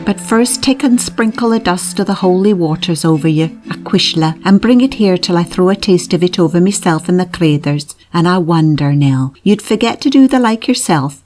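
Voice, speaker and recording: A woman's voice: lowish voice, lively intonation, moderate pace, hardly any pauses, a little mellow, soft background music, close to an everyday voice. Woman voicing a frantic widow mother. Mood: scolding. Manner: wailing, distraught pleading.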